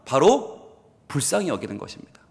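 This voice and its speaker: A man, a pastor, preaching a sermon in an animated storytelling way, acting out the people in his stories and asking the congregation questions he answers himself. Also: medium pitch, brisk, gravelly. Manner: animated storytelling, acts out quoted speakers. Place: church sanctuary. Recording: long hall reverb.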